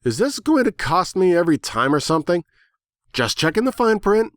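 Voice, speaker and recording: A man's voice: sits high, normal speed, no echo, studio quality, pitched above the performer's own voice. Man playing a flippant, wisecracking pony. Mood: sarcastic. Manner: flippant, slangy, animated sparring. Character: sarcastic, wisecracking, foul-mouthed smoking pony. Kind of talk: dramatic reading of fan fiction.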